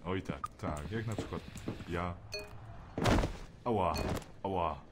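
A man playing a game with a friend, chatting casually in a calm, reassuring way with dry humor. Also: deep voice, takes it slowly. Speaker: co-player. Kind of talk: casual gaming chat. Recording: loud background noise over voice chat.

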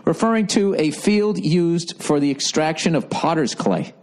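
A man's voice: a little high, animated, unhurried, darkish tone. A middle-aged man reading a text aloud and breaking off into sarcastic, profane comic asides. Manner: sarcastic, profane running commentary. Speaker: comedian. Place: dim study with leather chair.

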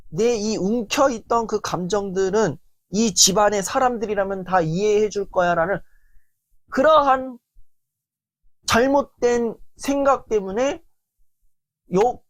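A man giving a lecture on family relationships in a lively, rambling way, often acting out family arguments. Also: high-pitched, dry recording. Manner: animated, heavy use of fillers, acts out quoted family arguments. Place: lecture stage.

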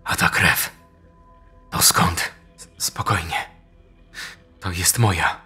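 Brief: frightened young woman pleading, acted by a male narrator, husky edge, audiobook. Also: sits low, slow, pushed and bright, faint music behind, exaggerated voice. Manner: pleading, shaken. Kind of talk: audiobook character voice.

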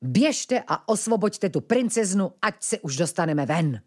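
A big, good-humoured male bear speaks briskly and firmly, as a woman reading a fairy tale puts him on. His voice rides a lively pitch range. He sounds eager to get moving. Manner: brisk and firm.

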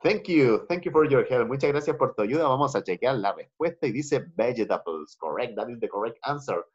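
A Chilean man teaching English over a video call, his voice a little husky. He is patient, mixes Spanish with English and repeats himself often. The call audio is muffled and lo-fi. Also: mid-range voice, expressive, moderate pace. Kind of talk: online class teaching. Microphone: computer mic on a video call.

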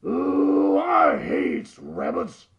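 A man voicing a short-tempered little cartoon cowboy outlaw with a gravelly voice, an American Western accent and a bellowing, blustering manner. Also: fairly high pitch, wildly swooping pitch, extremely slow, highs cut off, some chatter behind, voice pushed down, exaggerated voice. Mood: furious.

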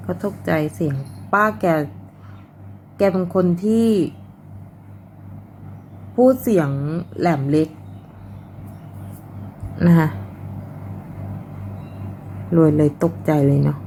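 A woman's voice: fairly low pitch, dark tone, a little hiss or hum. A woman chatting casually while filming her pet cat, laughing often and talking to the cat between stories. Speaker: cat owner vlogger.

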